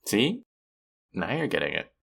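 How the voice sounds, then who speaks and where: A man's voice: on the low side, wildly swooping pitch, measured pace, gravelly, husky, heavily acted. A man playing an awkward, apologetic and sweet young man who rambles nervously on the phone in an intimate audio roleplay. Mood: sheepish, explaining. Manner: rambling, hesitant, self-deprecating, soft chuckles. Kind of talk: intimate one-sided audio roleplay, conversational.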